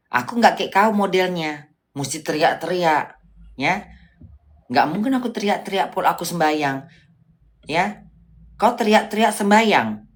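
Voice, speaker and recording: A woman hosting a casual livestream, blunt and scolding, often firing off rhetorical questions. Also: mid-range voice. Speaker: livestream host.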